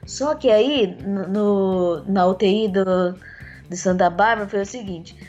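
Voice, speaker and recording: A woman of middle pitch tells her story earnestly, stopping and restarting often, with a voice that is still a little rough. The sound is muffled and lo-fi, with faint music in the background. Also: darkish tone. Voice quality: voice still rough since a tracheostomy. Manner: earnest, halting, with many fillers and restarts. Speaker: interviewee. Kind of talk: personal account in a conversation.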